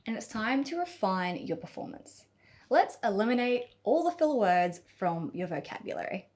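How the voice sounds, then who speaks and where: A woman giving a scripted on-camera tutorial as a video coach, speaking expressively with deliberate pauses and emphasis. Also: medium pitch, a little mellow.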